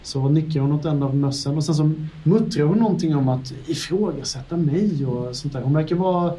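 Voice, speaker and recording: A man narrating a tabletop game as game master. His voice is a bit high and mellow. He talks in a relaxed, unhurried way with plenty of fillers. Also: far from the mic.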